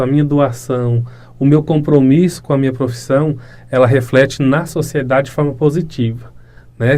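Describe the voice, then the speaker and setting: Earnest young Brazilian man, mellow voice. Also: mid-range voice. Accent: Brazilian Portuguese, Goiás. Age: 30s. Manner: earnest, reflective, many tag questions. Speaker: municipal education secretary, guest. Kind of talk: podcast interview answers.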